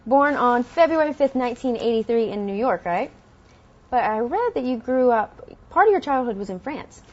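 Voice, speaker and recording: Female interviewer, brisk and prompting; slightly high pitch, dull recording. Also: animated, darkish tone. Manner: brisk, prompting, short acknowledgements. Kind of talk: interview questions. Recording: dull lo-fi sound.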